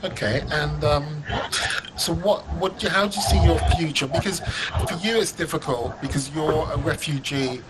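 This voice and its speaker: A man interviewing a guest over a video call, repeating and restarting words while gently giving advice. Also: a little high, moderate pace. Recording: loud background noise.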